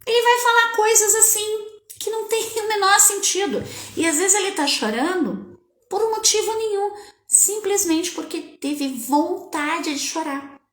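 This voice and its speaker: A woman parenting coach giving a casual live-stream talk, speaking straight to her viewers in a lively, conversational way. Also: extremely high pitch, unhurried. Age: adult with a child. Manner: animated, conversational, addresses viewers directly. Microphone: webcam or phone on a live stream. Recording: echoey room.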